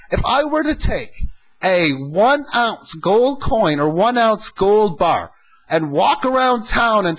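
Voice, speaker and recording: A man's voice: high voice, dull audio. A man hosting an informal economic commentary, speaking in an opinionated, emphatic way and often posing rhetorical questions. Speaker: host of an economic audio log.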